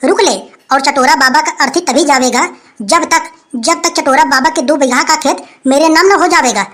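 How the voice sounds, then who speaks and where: Casting: male actor as a shrill, bullying village chief who keeps repeating his threats. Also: normal speed, a bit bright. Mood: blustering. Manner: blustering, threatening, repeats phrases. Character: boastful greedy male village headman, blustering. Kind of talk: comic sketch acting.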